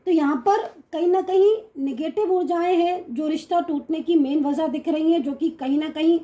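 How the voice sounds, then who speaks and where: A woman with an Indian accent giving a general tarot reading to her viewers, mixing English words into Hindi, with many pauses and reassuring asides. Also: extremely high pitch, warm tone. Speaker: tarot card reader.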